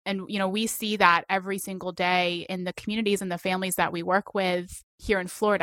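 Woman guest from Maine, bright tone, steady earnest delivery, dry recording. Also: lowish voice, dry recording. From Maine, USA. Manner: measured, emphatic lists. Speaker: guest, co-founder of a voting rights group. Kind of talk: earnest interview answer.

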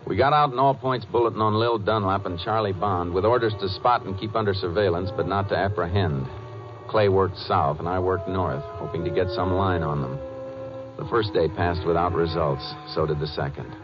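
An actor playing a calm, shrewd Texas Ranger in a 1950s western radio drama, with terse, matter-of-fact delivery. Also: male voice, low-pitched, normal speed, loud music behind the voice, natural voice. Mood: matter-of-fact narrating. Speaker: actor in lead role and narrator. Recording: muffled, noisy 1950 radio recording.

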